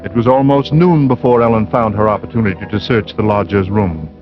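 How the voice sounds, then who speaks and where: A man narrating a 1940s radio suspense drama in a measured, suspenseful way. Dull vintage radio recording. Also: on the low side, music in the background.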